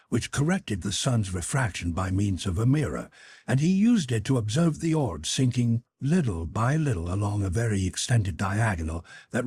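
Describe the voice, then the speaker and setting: Male narrator for classic adventure fiction. Very husky, closely recorded and dry, measured and articulate delivery. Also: lowish voice, darkish tone, no room sound. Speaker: audiobook narrator. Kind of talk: scripted literary narration of a classic adventure novel.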